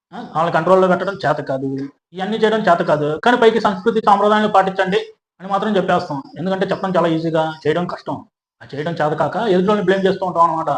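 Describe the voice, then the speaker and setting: A man giving a sarcastic opinion commentary, firing off rhetorical questions. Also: sits high. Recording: roomy echo.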